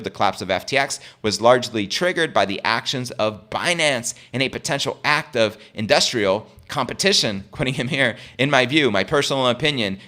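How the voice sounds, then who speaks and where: A man hosts a cryptocurrency news show, offering informal, opinionated commentary that's emphatic and slangy, and he throws rhetorical questions at listeners. His voice is lowish, pushed and bright.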